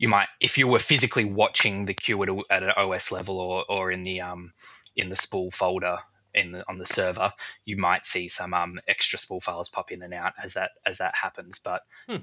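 With an Australian accent, a man speaks at a moderate pace in a very deep, low pitch and a monotone, flat intonation. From Melbourne, Australia. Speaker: software support employee. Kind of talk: casual chat. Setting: video call.

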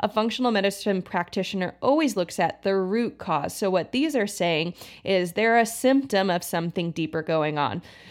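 A woman with an unremarkable speaking voice talks in an American accent at a medium pitch. Her intonation is lively, and she hardly pauses at all. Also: moderate pace. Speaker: functional medicine health coach and podcast host. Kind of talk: scripted intro then casual educational talk.

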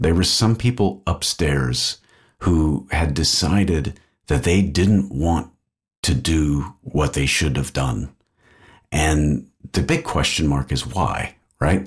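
Very slowly, a man speaks with a very deep, low pitch, vocal fry and lively intonation. The recording is very clean, with a silent background. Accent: Texan. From Texas, Austin. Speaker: podcast creator and investigator. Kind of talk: interview.

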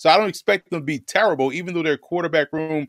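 A man with an American accent speaks at a fairly quick pace with ordinary pitch variation, on a very clean, dry, close recording with no echo and a silent background. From US South, New Orleans. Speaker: football analyst. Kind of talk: casual chat.

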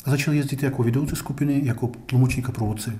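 Recorded with audible room echo, a man with a Russian accent speaks at medium pitch with ordinary pitch variation. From former Soviet Union, Russian-speaking. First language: Russian (speaking Czech). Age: 50s. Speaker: immigrant resident. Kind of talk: interview.

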